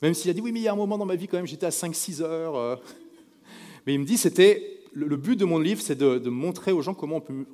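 A man from France with a slightly high voice tells lively stories to a live crowd from a stage. He acts out the people in his anecdotes. His voice rings with the long echo of a big event hall. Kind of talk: storytelling talk to a live audience. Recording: echoey hall reverb.

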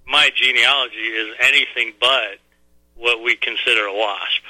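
A man in his forties calls in to a radio talk show. His tone is very bright and forceful, and he speaks earnestly with some halting. The sound is dry and close. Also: medium pitch, steady tone, no echo, poor audio. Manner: earnest, rambling, a little halting. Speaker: caller. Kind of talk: phone-in call to a radio show.

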